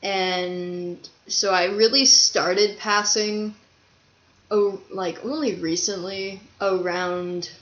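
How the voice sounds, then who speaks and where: Slow-talking young trans man, rambling. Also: sits high, little pitch movement, a bit bright. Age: young adult. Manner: rambling, laughs easily. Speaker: vlogger. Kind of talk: casual chat. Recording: roomy, slightly dull sound.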